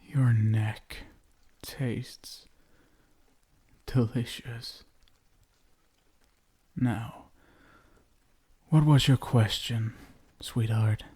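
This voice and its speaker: A man playing a possessive, sinister yet doting vampire husband in an intimate ASMR roleplay, coaxing with endearments and lingering pauses. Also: mid-range voice, steady tone, dark tone, husky. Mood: soothing, possessive.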